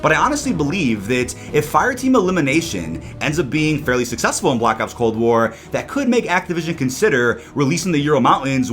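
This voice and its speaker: A man's voice: medium pitch, a bit bright. A man hosting a gaming news video, talking through updates in a conversational, emphatic way with rhetorical asides. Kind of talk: video game news commentary.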